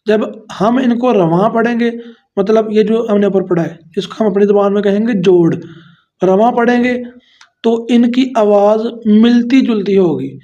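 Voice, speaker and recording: High-voiced patient male Quran teacher. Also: dark tone, highs cut off. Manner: patient, drills letters syllable by syllable. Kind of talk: step-by-step pronunciation lesson.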